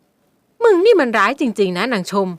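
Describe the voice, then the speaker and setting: Lady playing a harsh drunken mother, scornful and loud-mouthed. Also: medium pitch, sing-song, moderate pace, no room sound, natural voice. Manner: scolding, coarse, contemptuous.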